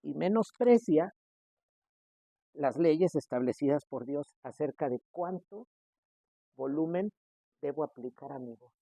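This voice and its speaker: A man's voice: fairly high pitch, expressive, measured pace, gravelly, long pauses, warm tone, no room sound. A male pastor, preaching a sermon in a conversational way, with frequent hesitations and mock rhetorical questions. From Mexico.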